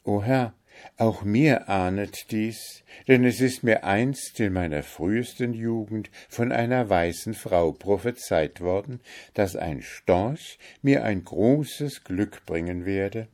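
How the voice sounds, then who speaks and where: A man's voice: on the low side, slow, a little mellow. A man voicing a sorrowful owl who is an enchanted young princess, in a plaintive, mournful tone for an audiobook. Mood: earnest pleading. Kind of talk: audiobook character voice.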